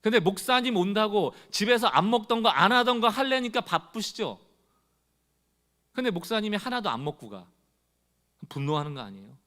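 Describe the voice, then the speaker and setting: A male pastor delivers a Sunday sermon in a fairly high voice that swings widely in pitch. He talks straight to the congregation and acts out people's complaints in a loud, rising tone. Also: big pitch swings, normal speed.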